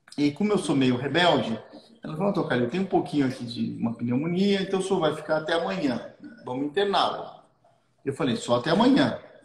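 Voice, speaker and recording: This man has a plain, everyday voice with a fairly high pitch. He speaks at a fairly quick pace with lively intonation. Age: 60s. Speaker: cardiologist. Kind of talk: casual chat.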